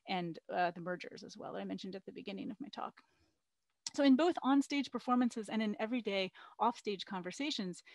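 A middle-aged woman author giving an academic book talk, speaking in a measured, partly read way with frequent "um" fillers. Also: mid-range voice, no room sound. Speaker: author presenting her book.

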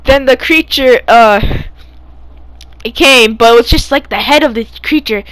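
Young female storyteller, higher-pitched, dry recording, recounts dreams in a puzzled, halting, casual manner. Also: a bit bright, dry recording, poor audio. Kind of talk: casual story time over gameplay.

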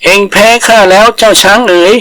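A swaggering tiger from an animal folktale, acted out by a male storyteller. The voice is pitched high and pushes forward with taunts and bossy demands. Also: fairly even intonation, quick pace, pushed and bright, poor audio. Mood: gloating.

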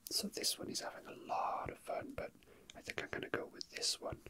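An ASMR host whispering casual, unhurried chat close to the mic, musing to themselves while handling small objects. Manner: hushed, unhurried, musing to self.

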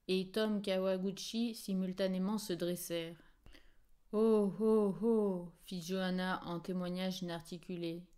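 Slow, smooth-voiced woman narrator. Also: fairly low pitch. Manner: slow, measured and expressive. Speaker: audiobook narrator. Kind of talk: scripted literary narration.

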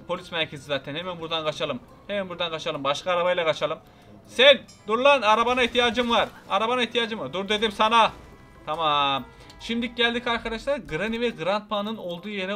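A young man giving excited, playfully menacing commentary over his own gameplay, repeating lines and talking to his viewers. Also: sits high. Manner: loud, repetitive, playfully menacing banter. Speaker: gameplay video host.

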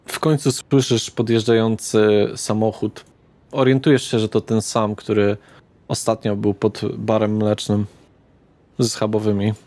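A man narrating a tabletop role-playing game as game master in a measured, subdued way. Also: on the low side, flat delivery, darkish tone, dry recording.

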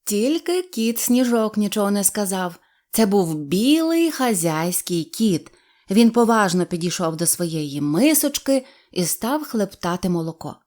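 A woman storyteller narrating a children's audio fairy tale in an expressive, animated reading. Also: medium pitch. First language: Ukrainian.

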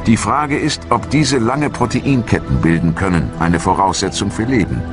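A man giving calm, measured, scripted narration for a science documentary. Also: lowish voice. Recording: studio narration over loud music.

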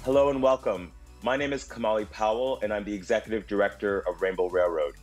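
A man with a low voice speaks as a moderator, introducing guests and asking questions. He is on a video call from a room indoors. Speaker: moderator, executive director. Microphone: video call with earbuds.

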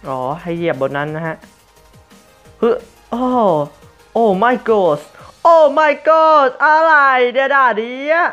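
A man giving excitable gameplay commentary as host of a gaming channel, breaking into yelps and English curses as he plays. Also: sits high, takes it slowly, pauses often. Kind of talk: excitable Minecraft parkour commentary. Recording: muffled lo-fi recording with faint background music.

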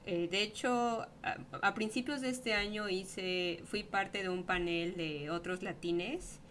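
A young woman hosting a casual livestream interview over a headset at home, chatty and quick to laugh. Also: mid-range voice, a bit bright, slight background noise. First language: Spanish. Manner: chatty, laughs often, many fillers like "¿no?". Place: small room at home.

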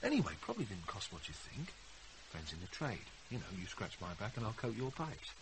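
A man's voice: on the low side, huge pitch swings, fairly quick, background noise. An actor playing a blunt, cocky, wry British businessman in a naturalistic radio drama. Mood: wry, teasing. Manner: blunt, matter-of-fact, wry. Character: blunt, cocky businessman, tipsy partner of a mother.

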